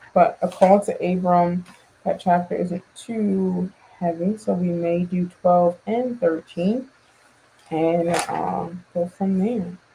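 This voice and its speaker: A woman with a fairly low pitch and fairly even intonation is heard over noticeable background noise. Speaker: faith vlogger, Bible study leader. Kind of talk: casual Bible study talk. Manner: casual, with fillers.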